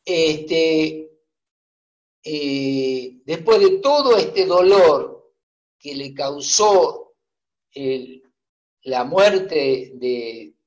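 A man's voice: a little high, lively intonation, very slow, pauses often, rough recording. A man preacher reading scripture aloud and commenting on it, with joking asides and hesitant fillers. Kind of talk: Bible reading with sermon commentary.

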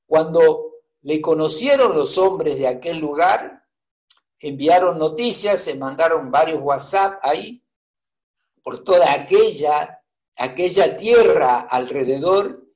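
Slow high-voiced man reading scripture. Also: expressive, a little mellow, rough recording. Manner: reads scripture aloud, adds joking asides and hesitant fillers. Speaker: preacher. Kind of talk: Bible reading with sermon commentary.

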